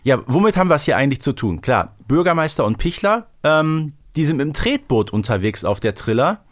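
Lively man podcaster, dry sound. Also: a little high, brisk, dry recording. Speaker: podcast co-host. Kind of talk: casual fan discussion podcast.

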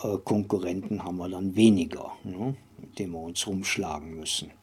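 An older man recounting memories in an interview, speaking haltingly with many drawn-out hesitations and little tag questions. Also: deep voice, darkish tone, breathy edge. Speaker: interview guest, former comics editor and publisher.

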